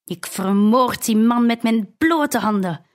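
A woman voicing a grieving young man in an audiobook, who shouts quickly in a wild rage. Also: on the high side. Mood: vengeful.

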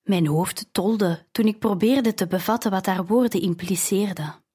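A woman narrating a novel in the first person as an audiobook, measured and expressive. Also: mid-range voice, husky.

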